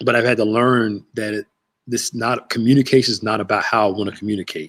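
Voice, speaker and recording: His speech is very fast. The man's pitch sits in the middle range, with fairly level intonation. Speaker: pastor. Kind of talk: casual chat. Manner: direct, matter-of-fact.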